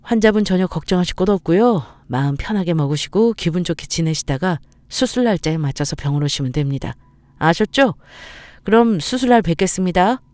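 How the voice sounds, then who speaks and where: An actor playing a polite, reassuring doctor in a radio drama. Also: male voice, high-pitched, lively intonation, fairly quick, darkish tone, dry recording.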